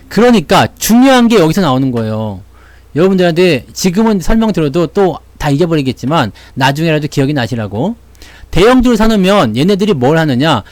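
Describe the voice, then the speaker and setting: A man riffs on the stock market in a loose, blunt way, slipping in slang and acting out little imagined voices. His pitch sits a bit high and swings widely. The sound is close and dry, with no room around it. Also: a little mellow, no echo. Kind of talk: casual market talk to viewers.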